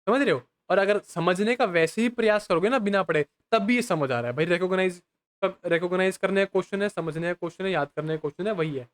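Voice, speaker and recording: High-voiced young man teaching casually. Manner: reads English questions slowly, explains fast in casual Hindi; addresses viewers as bhai, often asks if they understand. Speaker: exam prep teacher. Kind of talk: casual lesson explaining exam questions.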